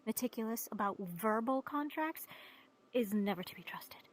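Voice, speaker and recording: A woman playing a wary, distrustful fantasy character in improvised roleplay, with a halting way of finding her words. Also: a little high, lively intonation, slight background noise, close to an everyday voice.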